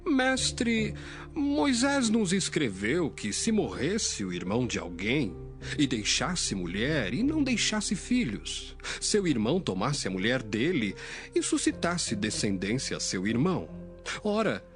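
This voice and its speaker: A man's voice: medium pitch, huge pitch swings, measured pace, faint music behind. A Brazilian man playing a Sadducee posing a tricky riddle in a theatrical, sing-song way in a dramatized audio Bible. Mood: quizzing, insinuating.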